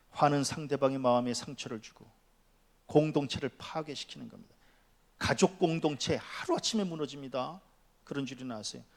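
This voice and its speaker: A man's voice: mid-range voice, gravelly. A man preaching a sermon to his congregation, scolding and joking by turns and sometimes dropping to a near whisper. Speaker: pastor. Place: church sanctuary.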